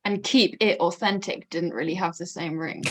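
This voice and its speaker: A woman interviewing a guest, asking brief, measured questions. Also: on the low side, steady tone.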